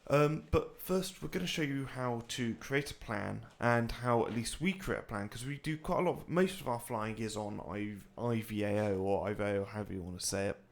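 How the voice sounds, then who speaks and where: A young man with a mid-range voice and vocal fry co-hosts a flight-sim tutorial at normal speed with hardly any pauses. He chats casually and rambles, sounding hesitant, with lots of fillers and restarts.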